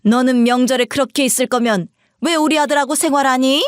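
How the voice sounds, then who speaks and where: A woman doing a shrill scolding mother-in-law. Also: steady tone, a little fast, no echo, clean studio sound, natural voice.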